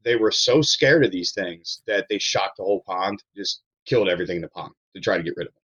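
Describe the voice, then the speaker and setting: A man's voice: sits low, quick pace, fairly bright tone, breathy edge. A man from Maryland talking casually on a podcast as a chef guest, rambling with restarts and blunt swearing.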